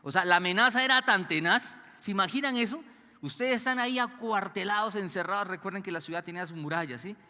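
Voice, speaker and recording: Here the pastor's voice sits high, quick and pushed, with a bright edge that carries through the large church hall. During his sermon he has the congregation shout out the words he leaves off.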